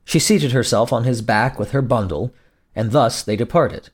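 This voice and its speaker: A man narrating as a storyteller in a gothic, theatrical fairy-tale style, with dramatic, deliberate phrasing. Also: mid-range voice, breathy edge. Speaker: storyteller, host.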